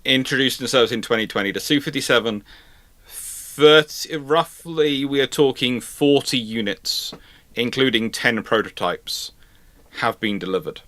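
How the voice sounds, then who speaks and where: A man with a bright, forceful voice explains things as host of a live question-and-answer session. He speaks haltingly, stammering and doubling back to reword himself. The sound is dry, with very little room in it. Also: medium pitch, no echo. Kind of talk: live question-and-answer talk on military history and current affairs.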